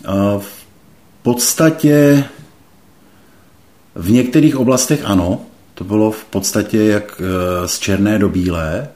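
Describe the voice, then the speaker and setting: A middle-aged man slowly and thoughtfully recounting a personal faith experience, hesitating often. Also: fairly low pitch, darkish tone. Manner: slow, hesitant, thoughtful, many pauses and fillers. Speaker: interview guest. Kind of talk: reflective personal testimony.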